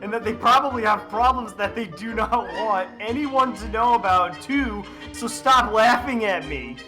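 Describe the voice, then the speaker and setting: A young man co-hosting a comic reading, riffing and joking in an animated, mock-indignant way. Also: high-pitched, normal speed, over music. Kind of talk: comic banter and dramatic reading.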